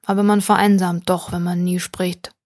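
A woman's voice: on the low side, little pitch movement, normal speed, a little mellow, dry recording, studio quality, voice pushed down. Woman reading as a chatty talking frying pan. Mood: plain, chatty. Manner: matter-of-fact, talkative. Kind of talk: audiobook reading.

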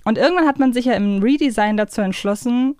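A woman's voice: a little high, fast, a little mellow, no echo, studio quality. A woman co-hosting a podcast in casual discussion, conversational and thinking aloud as she goes. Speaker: podcast co-host.

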